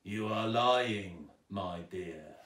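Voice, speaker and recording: A man's voice: low voice, drawn-out words, a bit bright, voice pushed down, full character voice. A man voicing a sinister, grubby rat catcher from a storybook, creepily polite and sneering, in a roomy recording. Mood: sneering menace. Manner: sneering, oily, menacing. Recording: roomy echo, distant microphone.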